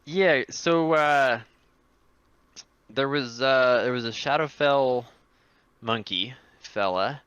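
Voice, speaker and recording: A man playing a tabletop game, chatting in a halting, self-correcting way. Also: medium pitch, fairly bright tone, smooth, no room sound, lo-fi sound. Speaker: player. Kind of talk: casual game chat.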